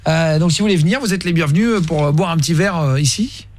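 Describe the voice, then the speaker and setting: A man's voice: fairly high pitch, quick pace, darkish tone, a little hiss or hum. A young man making a prank phone call, posing as a new doctor and rambling with hesitations and restarts. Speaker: prank caller.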